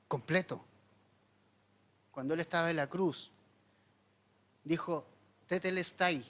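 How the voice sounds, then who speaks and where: A man preaching a sermon as pastor, telling the story dramatically with wide swings between loud emphasis and hushed lines. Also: a little high. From Chile.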